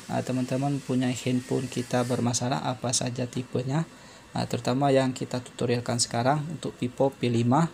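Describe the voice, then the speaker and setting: Flat-toned man giving a tutorial. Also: medium pitch, vocal fry, a little hiss or hum. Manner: halting, step-by-step explaining with frequent repetition. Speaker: phone repair tutorial presenter. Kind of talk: unscripted hands-on repair tutorial.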